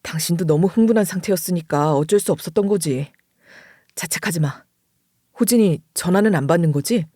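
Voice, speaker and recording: A calm, level-headed middle-aged husband, as a woman reads him, speaking in a lowered, gentle voice that soothes and reassures. The storybook reading is close and dry, with no room around it. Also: a little fast, no echo, natural voice. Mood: soothing. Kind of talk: audio story narration.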